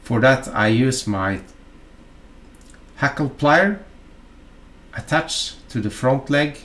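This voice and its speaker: With a Norwegian accent, a man from Norway walks through a fly-tying tutorial, chatty and halting, filling it with fillers and side remarks. He has a medium-pitched, slightly bright voice with lively intonation.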